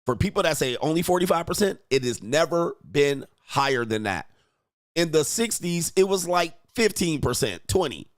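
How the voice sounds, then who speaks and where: A man's voice: on the high side, animated, moderate pace, dry recording, studio quality. A man commenting on clips as a dating coach, brash and mocking, swearing and punching words for emphasis. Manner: brash, profane, mocking, with sudden emphatic swells. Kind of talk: provocative reaction commentary.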